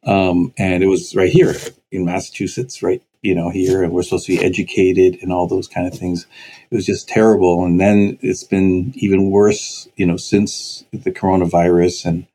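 A man, a pastor, speaking in a heartfelt, sober way with halting phrases in a conversation. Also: low-pitched, flat delivery, warm tone, breathy edge, poor audio. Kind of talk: conversation on a podcast.

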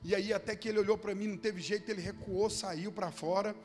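A man's voice: sits high, steady tone, quick pace. A man, a pastor preaching a sermon and telling a story with passion, acting out the people he quotes. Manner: impassioned, acts out quoted voices. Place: church hall. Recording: long hall reverb with faint music.

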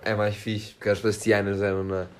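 A man's voice: on the low side, completely flat delivery, normal speed, slight background noise. A young man with a European Portuguese accent hosts a podcast in casual, slangy chat, repeating his points with enthusiasm. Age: young adult. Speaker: podcast host.

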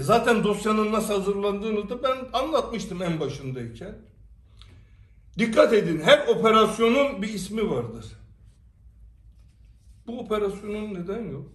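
High-pitched man speaking to his followers in an emphatic storytelling monologue full of rhetorical questions. He is recorded in an echoey room. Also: lively intonation, moderate pace, recorded from a distance. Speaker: commentator addressing followers. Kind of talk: direct-to-camera monologue. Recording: echoey room, away from the mic.

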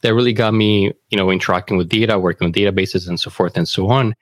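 A man with a Romanian accent, speaking in a fairly low voice as a guest. He tells his story in a relaxed, friendly way. The sound is dry and close. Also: fast, dry recording. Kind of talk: casual interview.

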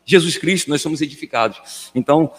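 A man's voice: fairly high pitch, fairly quick, long reverb tail. A Brazilian man in a casual Bible study discussion, earnest and repeating words as he thinks aloud. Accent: Brazilian Portuguese.

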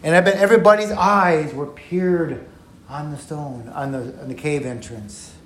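A man teaching through a Bible passage on a podcast, telling it in an earnest, reflective way and slowing down for emphasis. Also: fairly high pitch, slight background noise. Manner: earnest, reflective storytelling with slow emphatic quotes. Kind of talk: podcast Bible study talk. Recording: echoey room.

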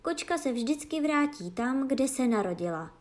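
A shy, honest peasant boy speaks earnestly, as a woman reads him. His voice sits a little high and bashful, a fairy-tale country lad. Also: lively intonation. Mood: sad.

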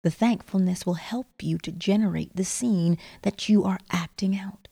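A woman guides a sleep meditation in the style of a sleep story, giving measured instructions in a soft, breathy voice that often drops almost to a whisper, with lingering pauses. Her pitch is medium, and the recording carries a long, reverberant echo.

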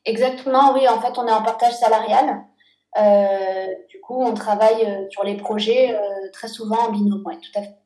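A woman, a guest UX researcher, talking casually in an interview, measured and with frequent fillers. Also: fairly high pitch, fairly even intonation, warm tone. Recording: echoey room.

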